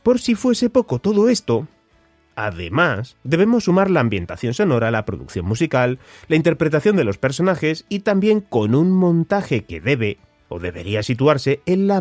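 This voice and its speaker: A man's voice: mid-range voice, big pitch swings, normal speed, darkish tone, dry recording, faint music behind. A man with a Spanish accent hosting a podcast, talking with enthusiastic emphasis. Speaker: podcast host. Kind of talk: scripted podcast intro.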